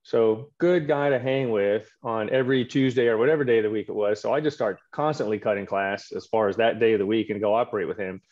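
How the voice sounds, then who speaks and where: Middle-aged man, low voice, dull call audio. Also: fast talker, hardly any pauses. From Quebec, Canada. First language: French. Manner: storytelling, relaxed, with frequent fillers. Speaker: orthopedic surgeon guest. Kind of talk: casual video call interview. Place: home office. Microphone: video call.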